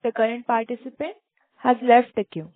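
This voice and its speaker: An Indian woman gives formal operator announcements on a conference call. Her voice sits a bit high. The sound is dry, with the muffled tone of a phone line. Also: fairly even intonation, normal speed, dry recording.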